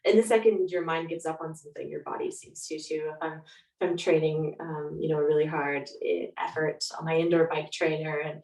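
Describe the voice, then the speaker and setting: A woman giving a thoughtful, halting interview as a guest, reflecting in a conversational way. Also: low-pitched, a little mellow. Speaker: podcast guest, author. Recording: roomy echo, distant from mic.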